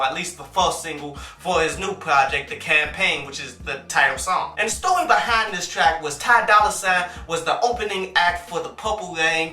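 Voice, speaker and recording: High bright-voiced man reviewing music. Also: reverberant, recorded from a distance. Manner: laid-back, peppers talk with "man" and "and such". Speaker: music reviewer and show host. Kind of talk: casual vlog-style commentary.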